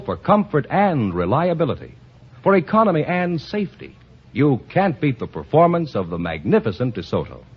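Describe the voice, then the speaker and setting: A man reading a sponsor commercial in an emphatic, booming announcer manner. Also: husky. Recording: muffled old radio broadcast.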